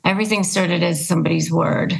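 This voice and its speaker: A woman's voice: lowish voice, fairly quick, creaky, breathy edge. A woman hosting a casual conversational interview, speaking emphatically and repeating her points for stress. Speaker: podcast host and interviewer.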